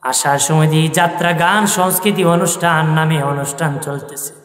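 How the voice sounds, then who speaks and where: A man's voice: on the high side, steady tone, normal speed. A man preaching a sermon, half-singing his lines and asking the crowd questions. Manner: rhythmic, half-sung preaching with rhetorical questions. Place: large open-air tent gathering over loudspeakers. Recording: echoey PA sound from far off.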